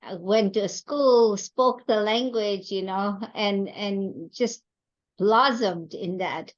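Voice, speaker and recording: A slightly muffled, lo-fi recording of a woman from Kenya. She talks as a podcast guest, reflective and halting, checking in with rhetorical questions. Her pitch is in the middle range for a woman. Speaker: podcast guest, entrepreneur and coach. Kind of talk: conversational interview storytelling.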